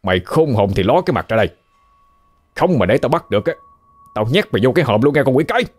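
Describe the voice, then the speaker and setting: A man with a Southern Vietnamese accent playing a bald thug who shouts threats and sneers. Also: fairly low pitch, quick pace, natural voice. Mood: menacing.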